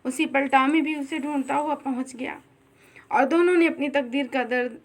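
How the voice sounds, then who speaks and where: A woman narrating a classic short story aloud in a steady, expressive reading style. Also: high voice, normal speed.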